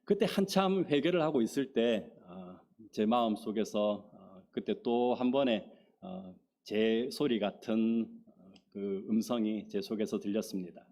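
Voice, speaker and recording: A man, a missionary pastor, preaching a sermon in an earnest storytelling manner with frequent pauses and fillers. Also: mellow. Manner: acts out his own prayers with rising pitch and emphasis. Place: church sanctuary.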